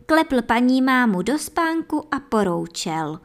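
A woman reading a folk fairy tale aloud for children and adults, telling it in a lively, expressive way. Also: on the high side. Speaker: storyteller.

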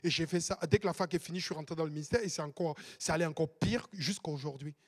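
A man. His voice sits high for a man, and he drives his points home by repeating them, rising to shouts. It is a fervent pastor's sermon. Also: quick pace. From Cameroon. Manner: emphatic, repetitive exhortations, bursts into shouting.

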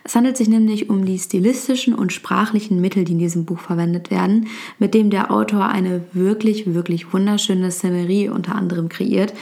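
A woman's voice: mid-range voice, vocal fry, a little mellow. A young woman whose first language is Turkish, talking casually about a book with many fillers and restarts.

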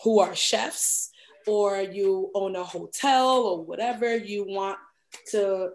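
A woman's voice: mid-range voice, takes it slowly. An American woman chatting as a podcast guest, full of fillers and "you understand?" tags. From United States. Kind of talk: casual conversation.

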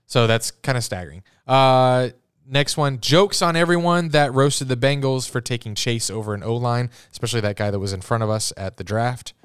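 A man's voice: mid-range voice, normal speed, clean tone, no echo, studio quality. Incredulous man rambling about football. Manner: rambling, incredulous, trails off mid-thought. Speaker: podcast co-host. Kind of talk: casual sports chat.

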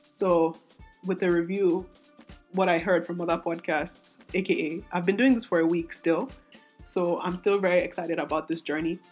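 Raspy-voiced young woman rambling candidly. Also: fairly low pitch. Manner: rambling, self-interrupting, candid. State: voice strained from singing. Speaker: podcast host. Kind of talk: solo podcast rant.

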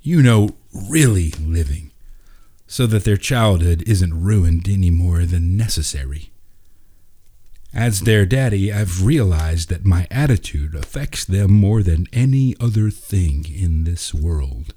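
A man voicing a grieving, hopeful widowed father in a storybook, heartfelt, measured and reflective. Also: deep voice, animated, warm tone, husky, full character voice. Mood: earnest resolve. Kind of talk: storybook dialogue reading.

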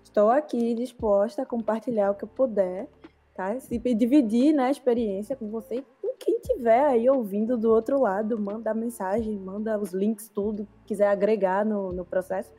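A woman's voice: fairly high pitch, normal speed, warm tone, husky. A woman with a northeastern Brazilian accent from Recife, chatting casually as a guest on a podcast.

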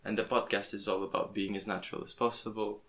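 A young podcast host who speaks Portuguese natively talks in a casual interview, often restarting his words. His fairly low voice is flat, quick and a bit bright, recorded on a plugged-in podcast mic.

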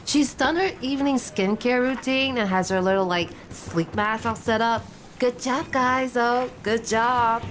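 Breezy woman with a fairly high voice. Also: measured pace, a bit bright, a little hiss or hum. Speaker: player in a tabletop role-playing game. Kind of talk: casual in-character improvisation.

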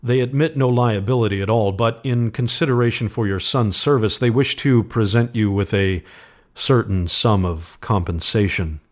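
A man's voice: fairly low pitch, normal speed, lightly acted. A man voicing a reserved company messenger in a story, formal, hesitant and apologetic. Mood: formal unease.

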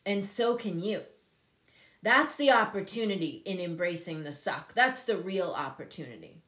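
A woman in her fifties hosting a talk show, telling a personal story in a candid, animated way with frequent laughs. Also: lowish voice, moderate pace, roomy sound. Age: 50s. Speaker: show host and company CEO. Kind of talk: casual storytelling on a live show.

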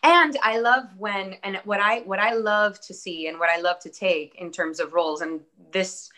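A bright, clear-toned woman in her early thirties chats as an interview guest, upbeat and earnest. Spanish is her first language though she grew up in the US. She hedges with "um" and "I think" while staying hopeful. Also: medium pitch, normal speed. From born in Atlanta, Georgia, US. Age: early 30s. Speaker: actress, guest. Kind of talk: casual interview conversation.

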